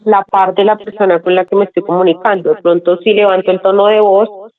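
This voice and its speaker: A woman student giving thoughtful, measured answers to her teacher's questions. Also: medium pitch, flat delivery. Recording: tinny phone-like line.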